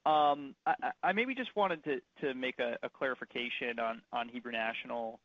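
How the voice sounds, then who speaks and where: A man with a mid-pitched voice asks analyst questions on an earnings call. He is polite and halting, doubling back on his words. The sound is dry and a bit muffled. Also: no room sound. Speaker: financial analyst. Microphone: conference call line. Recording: dull, dry phone-call audio.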